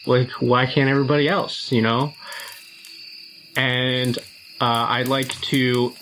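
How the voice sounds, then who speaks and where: A man chats casually at a tabletop game, explaining in halting starts and quick bursts. His pitch is average for a man, with faint noise and night insects behind him. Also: fairly bright tone. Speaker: tabletop role-playing player.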